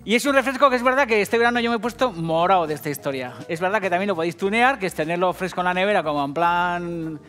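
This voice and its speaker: A man's voice: high-pitched, lively intonation, rapid-fire, few pauses, a bit bright. A middle-aged man with a Basque Spanish accent hosting a casual cooking show, talking straight to viewers in a jokey, profane manner. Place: TV kitchen set.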